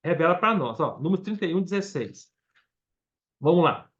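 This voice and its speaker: A man with a Brazilian Portuguese accent preaching a Bible study, animated and repeating words for emphasis. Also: fairly high pitch, normal speed, lo-fi sound.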